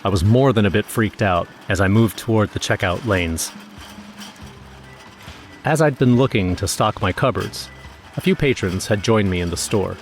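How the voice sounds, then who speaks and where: An actor playing a wry, uneasy everyman who narrates his own horror story in a measured, scripted style. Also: on the low side, faint music behind, lightly acted. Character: wry, nervous everyman narrator recounting a snowstorm errand.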